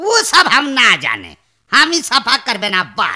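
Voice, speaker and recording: A woman's high-pitched cartoonish character voice with very wide pitch swings, at a moderate pace. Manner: blunt, stubborn.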